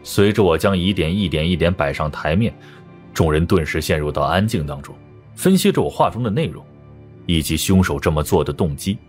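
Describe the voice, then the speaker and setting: A man with a very low voice narrates a detective novel as a scripted audiobook. His delivery is dramatic storytelling, with music playing underneath. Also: lively intonation, fairly quick, a little mellow.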